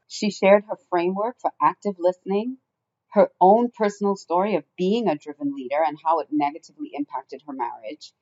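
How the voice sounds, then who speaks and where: Trinidadian woman host, lower voice, upbeat and emphatic, faint music underneath. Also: darkish tone. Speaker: podcast host. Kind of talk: podcast interview.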